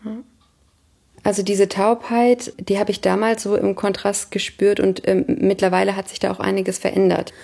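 Woman in her 30s, really gravelly low-key mellow voice, talks slow and thoughtful with little pauses. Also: little pitch movement. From Germany. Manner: thoughtful, searching, pauses with hesitations. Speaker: interviewee. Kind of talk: reflective personal interview.

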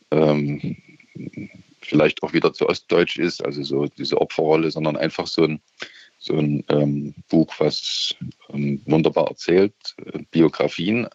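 A man's voice: rumbling low, breathy edge, dry recording, lo-fi sound. A middle-aged man with a Saxon accent calling in to a radio show, talking hesitantly with many fillers and restarts. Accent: Saxon German. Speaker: radio caller. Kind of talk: casual phone-in chat. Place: on holiday by the sea.

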